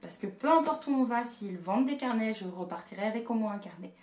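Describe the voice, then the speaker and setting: A woman's voice: mid-range voice, lively intonation, fairly quick, darkish tone. A young woman in her twenties, chatting casually and gushing through a shopping haul video at home. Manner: chatty and gushing, playful asides. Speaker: beauty and haul vlogger. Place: room at home. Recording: echoey room sound.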